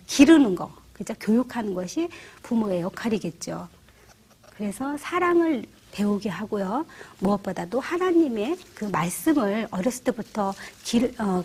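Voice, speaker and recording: Husky, lively-voiced woman teaching flower arranging. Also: a little high. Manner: gentle, explanatory, asks viewers rhetorical questions. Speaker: church flower arranging instructor. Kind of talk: instructional demonstration.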